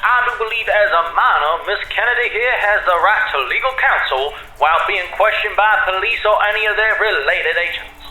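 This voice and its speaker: A man's voice: high-pitched, brisk, hardly any pauses, sharp tone, echoey room, faint music behind, low-quality recording. A man playing an officious, condescendingly polite legal advocate in an audio drama, formal and pompous.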